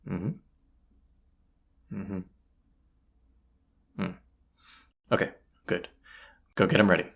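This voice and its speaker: A performer voicing a folksy, plain-spoken bandit leader in an audio roleplay, with a gravelly, husky voice and a conversational, wry manner. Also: deep voice, level tone, takes it slowly, exaggerated voice. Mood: commanding, focused. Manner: folksy, conversational, hushed at times. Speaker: character voice actor. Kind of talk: immersive audio roleplay acting, addressing the listener.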